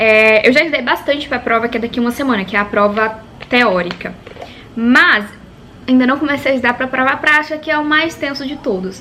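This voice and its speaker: Her voice raised and projected, a woman talks at a high pitch and fairly quick pace, with ordinary pitch variation and noticeable background noise. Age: 20s. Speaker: medical student and vlogger. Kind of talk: study vlog. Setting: at home at desk.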